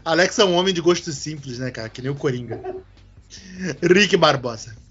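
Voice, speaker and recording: A man hosting a casual podcast chat, animated, swearing casually and restarting his words. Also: fairly high pitch, moderate pace, dull audio, faint music behind. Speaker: podcast host.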